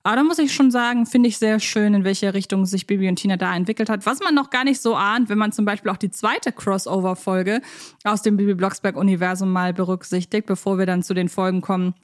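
A woman talks as a podcast co-host. Her voice sits at a middle pitch for a woman, and she chats casually, wandering through long asides as fans do. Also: fast. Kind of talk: casual fan podcast discussion.

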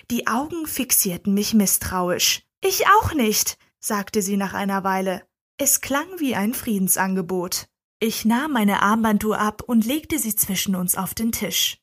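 A woman reading a short story aloud with calm, measured narration. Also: mid-range voice, slightly rough. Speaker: reader.

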